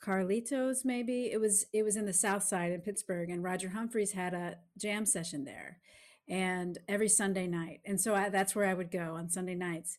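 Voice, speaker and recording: Here a woman speaks in a plain, everyday voice at a medium pitch and moderate pace, with fairly even intonation. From Maryland, near Washington DC. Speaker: jazz drummer. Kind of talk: casual panel conversation. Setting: video call.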